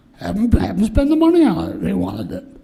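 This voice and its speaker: Noticeable background noise is heard as a man talks with an American accent. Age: 70s. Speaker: township board candidate. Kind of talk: candidate forum answer. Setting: public forum with audience. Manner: halting, repetitive.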